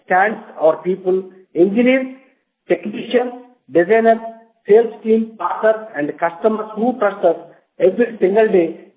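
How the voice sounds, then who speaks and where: High-pitched Indian man on tinny phone line. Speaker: company executive. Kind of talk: scripted corporate address. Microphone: telephone conference line.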